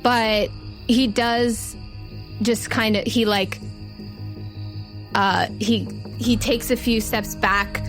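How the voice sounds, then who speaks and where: A woman's voice: a little high, fairly even intonation, slow, long pauses, a bit bright, soft background music. A woman game master and podcast host narrating a tabletop game in conversation with players.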